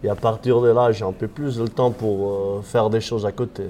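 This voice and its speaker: A man with a singsong Catalan-tinged accent, mixed with southern French and Swiss touches. He works as a ski patroller and talks about his job in a relaxed, chatty way, pausing often to find his words. Faint noise hums behind him. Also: lowish voice. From Cerdagne, Pyrenees. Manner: relaxed, chatty, frequent hesitations. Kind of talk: casual interview. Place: ski area staff building.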